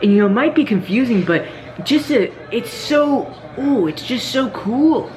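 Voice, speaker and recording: Woman putting on an excitable, gushing car guy, pitched up. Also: measured pace, faint music behind, poor audio. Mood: excited, awed. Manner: gushing, rambling enthusiasm. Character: excitable, eager male car mechanic, a friendly engine enthusiast. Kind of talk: acted quote in a casual vlog.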